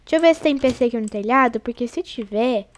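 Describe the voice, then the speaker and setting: A woman's voice: fairly high pitch, fast. A woman hosting a gaming channel, giving chatty running commentary on her play and talking constantly to her viewers. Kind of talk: casual gameplay commentary.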